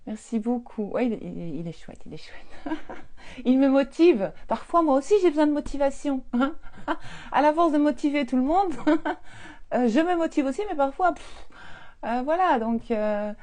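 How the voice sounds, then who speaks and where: A woman in her fifties, a holistic coach, chatting casually on a live stream, telling lively stories and laughing often. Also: high-pitched.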